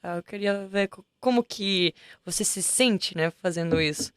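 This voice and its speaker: Woman, smooth voice, chatty. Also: medium pitch, normal speed, dry recording, studio quality. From Italy. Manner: chatty, searches for words with many restarts. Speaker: guest singer. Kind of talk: casual interview chat. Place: music studio.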